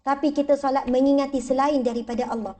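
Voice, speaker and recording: A woman religious teacher giving a lively, playful talk to an audience, acting out little voices and examples as she goes. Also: high-pitched, fast.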